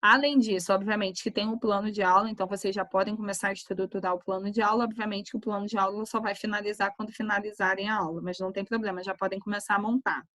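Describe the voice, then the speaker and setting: A woman, a nursing teacher talking casually to her class and telling a lively anecdote full of quoted voices. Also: medium pitch, fast talker, hardly any pauses, dry recording. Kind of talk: casual class talk, storytelling. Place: online class.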